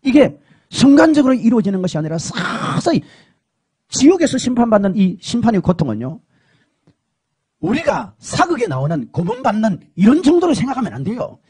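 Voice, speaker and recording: A man preaching a dramatic testimony, swinging between shouting and hushed speech. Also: very high-pitched, huge pitch swings, moderate pace, slightly rough. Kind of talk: emotional sermon testimony.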